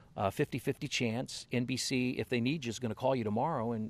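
A man has an ordinary speaking voice, medium in pitch with ordinary pitch variation. The recording is very clean, with a silent background. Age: 50s. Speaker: TV sports play-by-play broadcaster. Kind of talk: interview.

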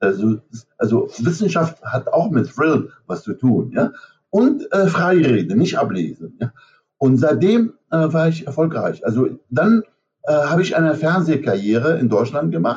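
Speaking fairly slowly with vocal fry, a man uses a fairly high pitch and very wide pitch swings. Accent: Arabic. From Middle East. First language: Arabic (speaking German). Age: 70s. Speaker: professor. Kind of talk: interview.

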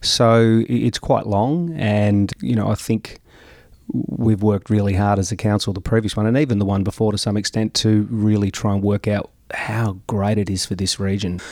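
Speaking with an Australian accent, a man talks at a moderate pace in a fairly low pitch. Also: ordinary pitch variation, very clean recording, silent background. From regional Victoria, Australia (Mildura area). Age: 50s. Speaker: mayor. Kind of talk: casual interview. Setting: in-person interview in Mildura.

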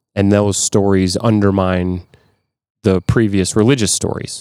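A man with an American accent, fairly low in pitch, with a dark, mellow tone, fairly even intonation and a fairly slow pace, in a very clean recording with a silent background. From Rochester, Minnesota. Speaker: atheist guest. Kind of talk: casual discussion. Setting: outdoors in a backyard.

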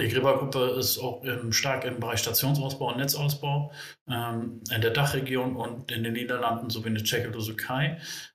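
Monotone, flat intonation with audible room echo. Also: man, medium pitch for a man, moderate pace. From northern Germany, Bremen. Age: 40s. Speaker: building materials executive, trained carpenter. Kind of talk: interview.

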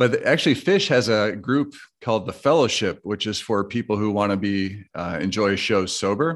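Delivered at a moderate pace against a quiet background, this is a plain, everyday voice with ordinary pitch variation. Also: man, fairly low pitch for a man. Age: 40s. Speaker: podcast host. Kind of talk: casual interview chat.

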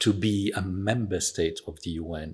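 A man's fairly low, somewhat breathy voice on a very clean recording with a silent background. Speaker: library director interviewer. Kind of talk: interview conversation.

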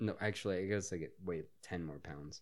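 A man is heard on a very clean recording, the background silent. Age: 30s. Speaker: podcast co-host. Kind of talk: casual chat.

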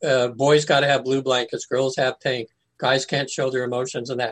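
A man's somewhat breathy, medium-pitched voice at a fairly quick pace, dry and close with no echo. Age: 70s. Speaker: hypnotherapist. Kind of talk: casual chat. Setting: video call.

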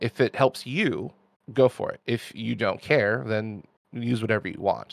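Vocal fry runs through this voice at a moderate pace, with ordinary pitch variation in a dry, close sound with no echo. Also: man. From Japanese heritage. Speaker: miniature painting guest. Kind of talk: casual chat. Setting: online voice call.

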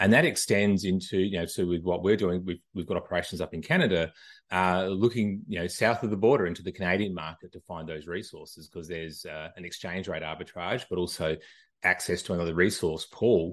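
In a strong Australian accent, the speaker talks at a fairly quick pace with fairly even intonation and big swings in loudness against a quiet background. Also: man, very deep, low pitch for a man. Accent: Australian, still strong. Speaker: company CEO. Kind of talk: interview.

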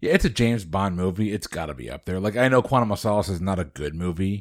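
A man talks with ordinary pitch variation. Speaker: podcast host. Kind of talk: casual chat.

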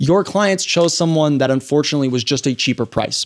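At a very fast pace, a man with a fairly high pitch talks with ordinary pitch variation on a very clean recording with a silent background. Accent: American. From San Diego, California. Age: 30s. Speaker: home inspector. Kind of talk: casual interview chat.

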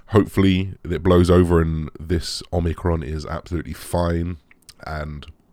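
A man in an English accent with a very deep, low pitch. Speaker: podcast host. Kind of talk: casual solo chat. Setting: home studio.

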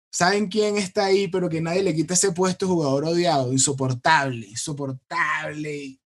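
In a normal speaking voice, a man talks at a fairly high pitch. His delivery is moderate in pace, and his pitch moves in a typical way. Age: 30s. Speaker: music label producer. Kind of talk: casual chat.

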